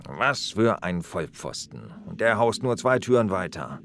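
Low-voiced male detective, lively swings in pitch, wry and jokey, crime radio play. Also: a little slow, gravelly, slight background noise, exaggerated voice. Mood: chatty. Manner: jokey, colloquial. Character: jovial, wry police detective on holiday. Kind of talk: German crime audio drama acting.

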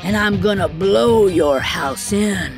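A woman voicing a big, menacing male storybook wolf with a growling, drawn-out delivery. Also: mid-range voice, over music. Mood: threatening. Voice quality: growling, gravelly. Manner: slow, drawn-out threatening calls.

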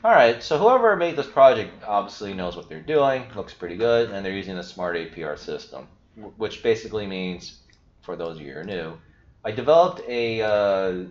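A young man talks through a screen share in a loose, chatty way, filling gaps with "you know" and "all right". His voice sits a bit low. The sound is roomy and dull, like a basic desk setup in a small room. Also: animated, normal speed. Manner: chatty, filler-heavy, explaining as he goes. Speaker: crypto video host. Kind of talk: casual screen-share walkthrough.

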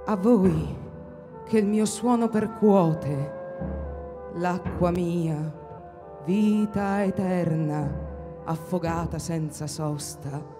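A woman's voice: on the low side, extremely slow, pauses often. A woman performing a theatrical poem as an intense voice of drowning water. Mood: intense, incantatory. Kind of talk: slow theatrical poetry performance. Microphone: close stage microphone. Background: clear music.

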